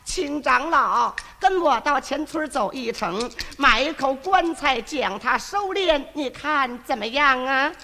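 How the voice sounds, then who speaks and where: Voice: high voice, lively intonation, slow pace, hardly any pauses, sharp tone, long reverb tail, a little hiss or hum, exaggerated voice. Bone Demon as a wailing old woman, as a storyteller puts her on. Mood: sly, lamenting. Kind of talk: traditional Chinese storytelling performance.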